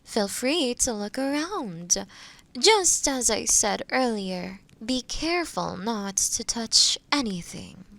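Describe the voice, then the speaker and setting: Woman acting as a kind witch, lively slow speech. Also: mid-range voice, vocal fry, heavily acted. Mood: gentle, careful. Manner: explanatory, precise, softly reassuring. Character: kind, scholarly forest witch, gentle and patient. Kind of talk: scripted audio roleplay, conversational.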